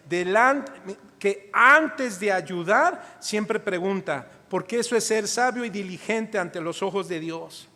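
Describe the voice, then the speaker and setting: A man's voice: sits high, a bit bright, long reverb tail. A middle-aged man with a Mexican accent preaching a sermon as pastor, telling stories and speaking straight to the congregation. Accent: Mexican Spanish. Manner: storytelling, addresses congregation directly. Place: church hall.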